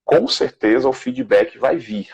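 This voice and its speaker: A man with a Brazilian Portuguese accent, a guest sales manager on a live video call, giving animated career advice and acting out sample messages. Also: a little slow, gravelly, husky, low-quality recording. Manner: animated, acts out sample messages with rising pitch. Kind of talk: live online career chat.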